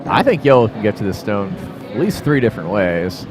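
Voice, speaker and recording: A man giving relaxed curling play-by-play and analysis, with a loose, filler-heavy way of talking. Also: fairly low pitch, brisk, music in the background. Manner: relaxed, analytical, says "like" and "you know" often. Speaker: curling commentator.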